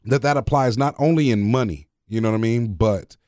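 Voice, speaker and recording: A man's voice: mid-range voice, brisk, a little mellow, no room sound, clean studio sound. A man co-hosting a casual Christian podcast, telling stories in a conversational way and quoting scripture. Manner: conversational, storytelling, quotes scripture. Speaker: podcast co-host.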